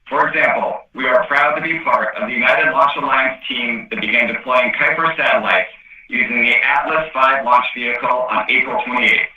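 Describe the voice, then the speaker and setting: A man reading a scripted corporate presentation as an executive on an earnings call, in a formal, measured way. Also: medium pitch, bright, forceful tone, distant mic. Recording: echoey, muffled conference call line.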